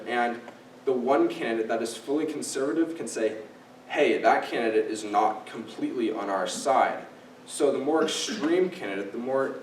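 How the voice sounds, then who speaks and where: A man's voice: medium pitch, a little mellow. A young man in his late teens giving a casual, explanatory talk as a guest speaker, using fillers and signposting his points. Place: library event room. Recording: echoey room, distant mic, faint noise.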